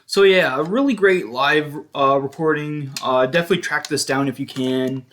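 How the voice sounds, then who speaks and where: A man's voice: on the high side, fairly bright tone, a little hiss or hum. A man giving a casual, hesitant show-and-tell commentary as a collector, often stopping to correct himself. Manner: halting, hesitant, self-correcting. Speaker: music collector vlogger.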